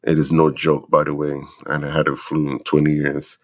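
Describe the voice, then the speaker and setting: A middle-aged man with an extremely deep, low voice, audibly stuffy and congested from a cold. He speaks in an earnest, somewhat preachy way, counting off ideas in slow deliberate lists as he addresses other fathers on his podcast. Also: monotone. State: stuffy from the flu. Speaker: podcast host. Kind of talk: reflective monologue to fathers.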